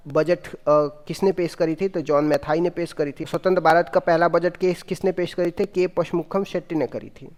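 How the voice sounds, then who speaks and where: Guy teaching a quiz lesson for exams, asks stuff then answers it himself, kinda high voice, long echoey reverb. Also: darkish tone. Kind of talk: exam-prep quiz lesson.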